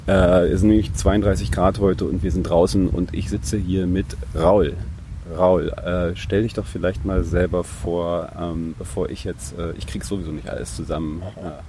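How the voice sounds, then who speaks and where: A man's voice: low voice, little pitch movement, normal speed, mellow. A man from Berlin hosting a podcast interview outdoors, talking casually with lots of hesitations and restarts. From Berlin, Germany. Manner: hesitant, many fillers and restarts. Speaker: podcast host. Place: outdoors on a hot windy day. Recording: outdoor recording with light wind noise.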